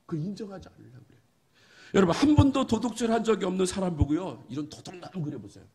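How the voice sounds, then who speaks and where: A middle-aged male pastor preaching a sermon, telling folksy stories, acting out bits of dialogue and building to emphatic, forceful points. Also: high voice, animated, quick pace.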